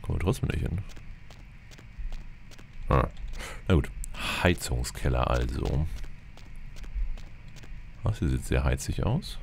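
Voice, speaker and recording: A man's voice: very deep voice, expressive, slow pace, gravelly, pauses often. A man giving casual, wry gameplay commentary with a bit of roleplay, muttering to himself as he plays. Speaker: let's play host. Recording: noticeable background noise, game ambience. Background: video game ambience.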